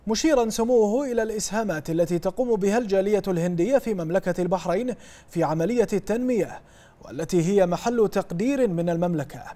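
A man reading a formal news report as a news reader, in a measured broadcast delivery. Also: sits high, mellow. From Bahrain.

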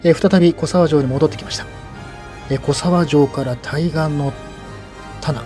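Male history narrator, somewhat high-pitched, soft mellow tone, explanatory guide delivery. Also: steady tone, measured pace, soft background music.

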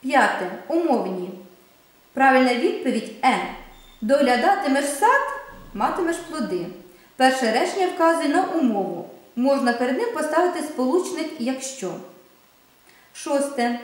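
A woman teacher giving a recorded grammar lesson, reading the rules steadily and speaking the examples with expressive intonation. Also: high voice, normal speed. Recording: very echoey room.

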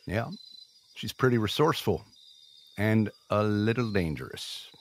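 Deep, gruff wounded man. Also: expressive, measured pace, slight background noise. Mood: pained, dry. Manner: terse, dry, grumbling. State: in pain. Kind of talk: audio drama acting.

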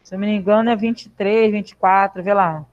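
Brazilian woman teacher on a video call, middle pitch, patient, coaxing; lo-fi sound. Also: steady tone, fast. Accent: Brazilian Portuguese. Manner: patient, reassuring, coaxing questions. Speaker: primary school teacher. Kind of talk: live online class with children.

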